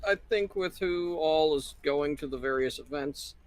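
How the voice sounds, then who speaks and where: A man's voice: on the high side, a little slow, no echo, rough recording. A man chatting casually as a panelist on an online call, with a dry, wry way of joking. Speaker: livestream panelist. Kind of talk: casual chat.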